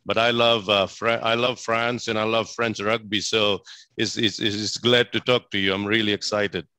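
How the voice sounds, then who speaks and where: Bright, enthusiastic man from Fiji. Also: on the low side, flat delivery, normal speed, clear, resonant tone, dry recording. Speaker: physician answering questions. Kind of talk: spoken question-and-answer at a presentation.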